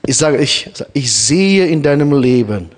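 Born in Kazakhstan, this man preaches a sermon in German with a noticeable foreign accent, speaking directly to the congregation and acting out little scenes. His pitch is fairly high, his intonation lively and his pace unhurried.

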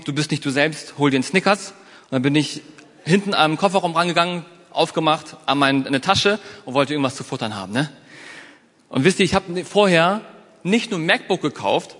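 Lively man telling a story in a reverberant hall. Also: fairly high pitch. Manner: lively storytelling, addresses listeners directly. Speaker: speaker giving a motivational talk. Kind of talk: storytelling motivational talk.

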